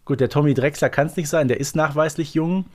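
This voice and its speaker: A man's voice: a little high, fairly quick. A man co-hosting a podcast, playing a guessing game in casual chat and muttering to himself as he thinks. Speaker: podcast co-host.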